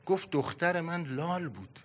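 A middle-aged man preaching a sermon, telling a story with animated storytelling and acted-out dialogue. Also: on the high side.

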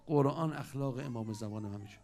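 A man preaching a sermon, telling stories with sudden swings between loud and hushed delivery. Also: mid-range voice.

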